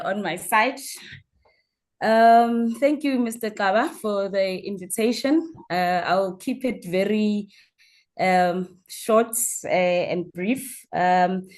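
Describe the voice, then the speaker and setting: A woman with a South African accent introducing herself as a guest speaker in an informal online talk, phrasing things haltingly with repeated words. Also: medium pitch, a little mellow. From Mpumalanga, South Africa. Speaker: guest speaker, mining entrepreneur. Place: online video call.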